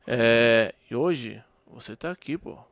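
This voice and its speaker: A man's voice: mid-range voice, lively intonation, fairly bright tone, no echo. A man co-hosting a casual podcast, effusive and slangy, often repeating himself. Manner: effusive, slangy, halting restarts and repetition. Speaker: podcast co-host.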